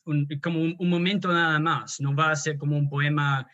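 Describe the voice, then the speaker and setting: An Australian man, speaking Spanish as a second language, talks with a slightly high voice and plenty of hesitations and restarts. The recording sounds dull and lo-fi, like a muffled call. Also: steady tone, moderate pace, sharp tone. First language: English. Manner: hesitant, many restarts and fillers. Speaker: guest poet and translator. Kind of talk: conversational interview.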